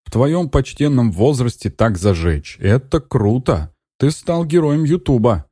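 A man's voice: medium pitch, animated, measured pace, dark tone, husky, no room sound, studio quality, pitched above the performer's own voice. A man reading an audiobook, voicing a young nephew who teases his uncle in a mocking, needling way. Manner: sarcastic, needling.

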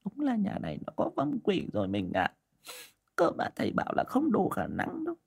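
A man's voice: high-pitched, wildly swooping pitch, a little fast, vocal fry, breathy edge, voice pushed up, exaggerated voice. A man voicing a distraught mother who whimpers and begs through tears. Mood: sorrowful. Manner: whimpering, begging. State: crying. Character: distraught mother, wailing and pleading.

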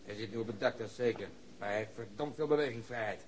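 Actor as a brash, fast-talking police detective. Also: male voice, mid-range voice, a little hiss or hum, lightly acted. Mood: grim, matter-of-fact. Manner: gruff, blunt, swearing. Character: brash, reckless, foul-mouthed male police detective under sniper fire. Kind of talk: radio drama acting.

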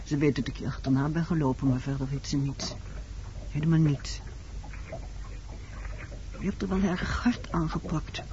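A woman's voice: sits low, fairly even intonation, normal speed, pauses often, close to an everyday voice. A muffled old radio play recording with some background noise carries an actress as a haunted woman. She is insistent and pleading, brooding over the night with dramatic intensity. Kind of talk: Dutch radio play acting.

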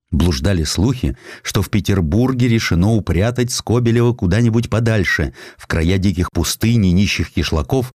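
Deep-voiced, expressive male audiobook narrator. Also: no room sound, clean studio sound. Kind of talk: dramatic scripted narration of historical prose.

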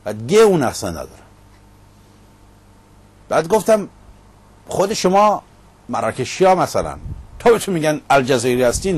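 A middle-aged man hosting a monologue show, recounting a debate in an emphatic storytelling manner. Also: fairly high pitch. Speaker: host. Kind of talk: casual monologue. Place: Paris.

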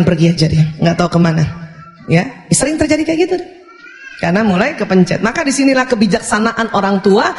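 Animated woman preaching in an echoey hall. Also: mid-range voice. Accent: Indonesian. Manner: animated, acts out parent-child dialogues with humor. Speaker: Islamic parenting preacher. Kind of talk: lively sermon to an audience. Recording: echoey hall with long reverb.

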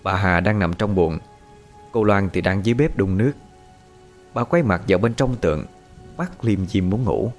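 A man reading a horror story aloud as a narrator, steady with lively intonation. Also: on the low side, moderate pace, long pauses. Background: faint background music.

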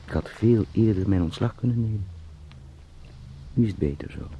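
An actor playing a travelling salesman turned beetle in a radio drama, thinking aloud in halting murmurs, oddly calm and resentful. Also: on the low side, slight background noise. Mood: bitter, brooding. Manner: halting, murmured fragments, sometimes whispering. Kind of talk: radio drama, slow interior monologue.

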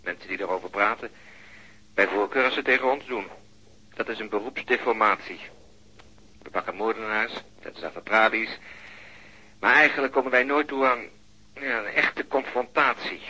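A bright, husky detective musing aloud. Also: male voice, on the low side, moderate pace, pauses often, exaggerated voice, low-quality recording. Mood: reflective. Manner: musing, thoughtful. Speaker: police detective. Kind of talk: radio drama acting.

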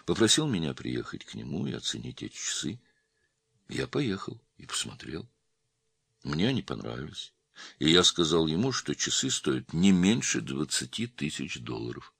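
A man voicing an old male jeweler in his seventies, who speaks slowly and quietly with calm dignity. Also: a bass voice, vocal fry, husky, no echo, exaggerated voice. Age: 70s.

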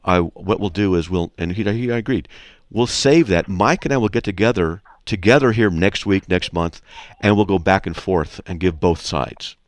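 A man hosting a Christian call-in radio show, talking casually and frankly as he teaches and tells stories in an animated way. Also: sits low, normal speed, hardly any pauses, no room sound. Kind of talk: casual conversational teaching and anecdotes.

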